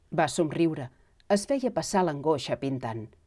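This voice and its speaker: A woman speaks at a moderate pace with lively intonation and a dark, mellow tone. The recording is very clean, with a silent background. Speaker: voice actor. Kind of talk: audiobook narration.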